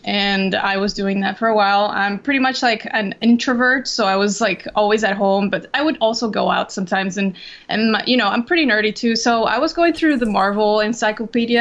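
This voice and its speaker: A woman's voice: mid-range voice, fairly bright tone. Chatty young woman on a lo-fi call. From Costa Rica. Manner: chatty, many fillers and restarts. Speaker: interview guest, Twitch drummer. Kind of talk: casual video-call interview. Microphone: video call.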